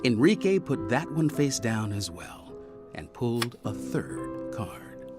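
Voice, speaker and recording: A man's voice: mid-range voice, sing-song, takes it slowly, music in the background. A man narrating a scripted audio drama as an arch, dramatic storyteller. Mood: suspenseful.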